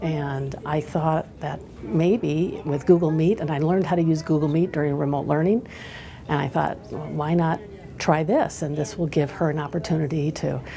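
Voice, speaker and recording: A woman speaks at a moderate pace with a very deep, low pitch. Her intonation stays fairly even, and there is noticeable background noise. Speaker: middle school reading intervention teacher. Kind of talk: interview answer.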